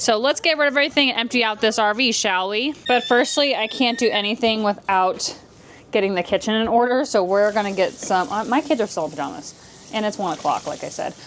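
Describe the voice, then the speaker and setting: In an American accent, a woman talks at a fairly quick pace with a fairly high pitch and lively intonation. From Florida. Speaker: family vlogger. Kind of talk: casual vlog talk. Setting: in an RV. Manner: fast.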